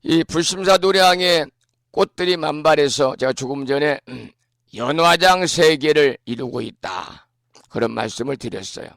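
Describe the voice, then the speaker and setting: A man, a Buddhist monk, giving a morning talk on scripture in a hoarse voice from a lingering cold, speaking slowly and clearing his throat often. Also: fairly high pitch, a bit bright, no echo, clean studio sound. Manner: slow, measured teaching delivery. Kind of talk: dharma talk explaining scripture.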